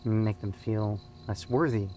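A man's voice: fairly low pitch, steady tone, unhurried, dark tone, a little hiss or hum, natural voice. Hesitant, earnest youth leader played by a man, crickets behind. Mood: thoughtful, earnest. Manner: hesitant, searching, repeats words. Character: earnest male youth ministry leader, thoughtful and halting. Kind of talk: informal devotional discussion in an audio drama.

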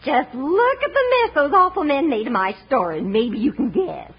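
An actress playing a sweetly teasing, bossy storekeeper in a western radio drama, coy and coaxing in a theatrical way. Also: female voice, high voice, very animated, normal speed. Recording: dull, noisy vintage radio recording.

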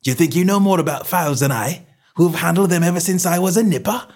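A man's voice: sits high, quick pace, voice pushed up. A man voicing a cocky, stubborn, snappish poultry salesman in a story reading, with combative colloquial talk.

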